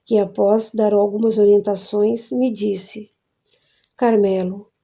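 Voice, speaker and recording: A woman narrating an audiobook in a calm, measured reading voice. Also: fairly high pitch. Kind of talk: audiobook narration of a spiritist novel.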